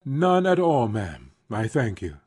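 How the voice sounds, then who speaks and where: A man playing a courteous, reserved gentleman colonel in a dramatised classic novel, formal and restrained, with a husky voice. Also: mid-range voice, wildly swooping pitch, slow pace, exaggerated voice. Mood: guarded.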